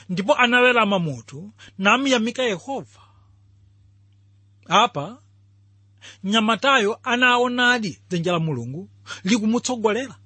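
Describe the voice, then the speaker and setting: A man's voice: sits high, sharp tone, husky, dry recording. A man teaching from the Bible in a radio sermon, explaining and putting questions to listeners. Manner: didactic, addresses listeners with questions.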